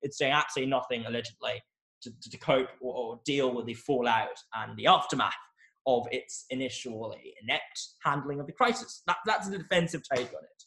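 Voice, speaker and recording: A young male academic giving an analytical interview answer, measured and hedging, often repeating words as he restarts. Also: medium pitch, sharp tone. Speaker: academic guest.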